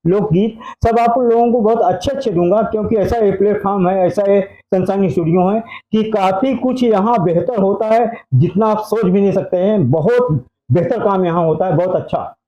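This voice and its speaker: Middle-aged male interviewee, earnest, with a high, warm, slightly muffled voice. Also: normal speed. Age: 50s. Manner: earnest, speaks in rhetorical lists. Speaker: guest, aspiring singer. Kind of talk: earnest interview answers, folk song.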